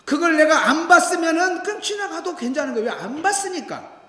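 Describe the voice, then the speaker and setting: In an echoey church sanctuary, a pastor with a very high voice preaches briskly. He tells stories with animated flair, acting out the voices of the people in them.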